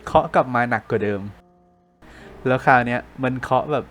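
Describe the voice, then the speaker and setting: A man's voice: medium pitch, brisk, fairly bright tone, faint music behind. A man casually telling a ghost story for a podcast, chatting like a friend with loose slang.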